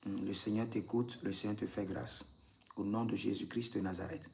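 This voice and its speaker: A man's voice: fairly low pitch, little pitch movement, normal speed, gravelly, slight background noise. A man, a prophet leading a live prayer session, repeating intense commands and breaking into tongues.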